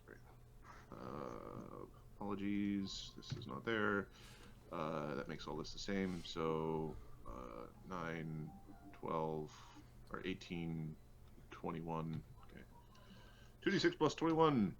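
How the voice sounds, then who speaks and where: A man's voice: a bass voice, expressive, slow, gravelly, pauses often. A man chatting casually as a tabletop game player, muttering apologetically through rules and sums on a muffled microphone. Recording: muffled lo-fi mic, background noise.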